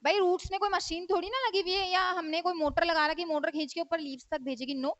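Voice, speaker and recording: A woman's voice: extremely high pitch, steady tone, fairly quick, a bit bright, dry recording. A woman teaching a school science lesson, asking her class questions and answering them herself, with English terms mixed into her speech. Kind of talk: classroom lecture. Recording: dry, dull lo-fi recording.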